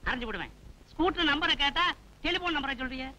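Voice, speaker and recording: A hot-tempered elder brother blusters and threatens in a quick, high voice. The tone is very bright and sharp, and faint noise runs behind. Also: male voice, lively intonation, full character voice, poor audio. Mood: angry. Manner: shouting, threatening. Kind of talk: 1990s Tamil film comedy.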